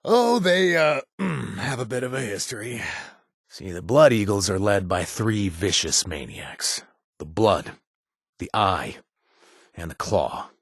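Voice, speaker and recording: This man, fairly low in pitch and animated, takes his time playing a wry, sardonic wasteland character who's worried about his brother. It's heavily acted, with no echo, dry wit, and frequent hesitations.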